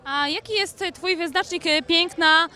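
A woman's voice: very high-pitched, moderate pace, pushed and bright, some chatter behind. A young woman reporter asking questions at an outdoor evening gala into a handheld mic, upbeat with some fillers. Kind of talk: red-carpet interview questions.

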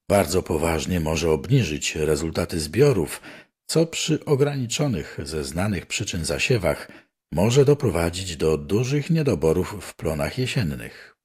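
Older male reader, low husky voice, formal declamatory delivery of archival news. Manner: measured, declamatory reading. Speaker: newspaper reader. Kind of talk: formal reading of old newspaper articles.

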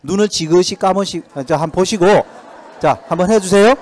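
A man giving a motivational sales lecture in a lecture hall, lively and constantly asking the audience rhetorical questions. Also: high voice, brisk, a little hiss or hum. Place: lecture hall at a training center.

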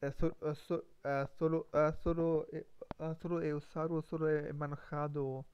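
A man slowly improvising a story as practice, with many fillers, pauses and restarts. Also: a little high, level tone, lo-fi sound, a little hiss or hum. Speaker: language learner streamer. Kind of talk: halting improvised practice talk.

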